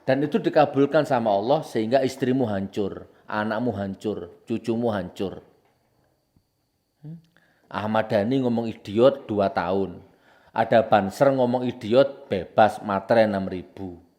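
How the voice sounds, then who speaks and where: Fiery confrontational preacher, man. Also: a little slow. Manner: confrontational, hammering repeated accusations, swings from low solemn to loud heated. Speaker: Islamic preacher. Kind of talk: impassioned preaching commentary.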